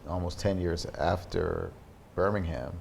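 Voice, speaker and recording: A man being interviewed in a studio as an artist, explaining his work in thoughtful, halting sentences. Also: low voice, fairly even intonation, vocal fry, a little mellow, slight background noise. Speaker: artist guest.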